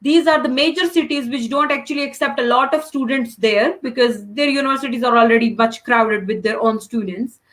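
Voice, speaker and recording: Brief: young woman, high bright voice, earnest and advising, many fillers. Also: fairly quick, few pauses. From Pakistan. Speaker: interview guest, master's student. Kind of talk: casual interview answers.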